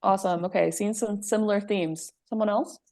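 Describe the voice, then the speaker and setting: A woman's voice: mid-range voice, steady tone, brisk, dark tone. A woman from Puerto Rico leading a workshop on a video call in a friendly way, with frequent "um" fillers. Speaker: presenter and workshop facilitator. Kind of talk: casual presentation on a video call.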